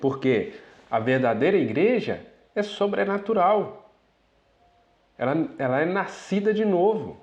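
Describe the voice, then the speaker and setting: Preacher mixing readings and asides. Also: male voice, high voice, animated, measured pace, darkish tone, dull audio. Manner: reads quoted passages aloud and breaks in with asides, "né?", to the brethren. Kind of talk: sermon reading and commenting on quoted teachings.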